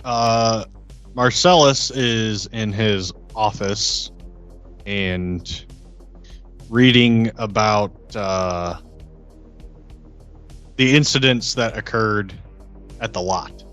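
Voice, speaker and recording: A man chatting casually as a game podcast player, halting and rambling a little. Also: fairly low pitch, a bit bright, soft background music. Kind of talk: casual chat. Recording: roomy, dull lo-fi mic.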